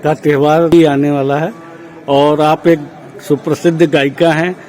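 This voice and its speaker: Male interviewer, polite and formal, slightly higher voice. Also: little pitch movement, unhurried, a little mellow. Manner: polite, respectful introductions.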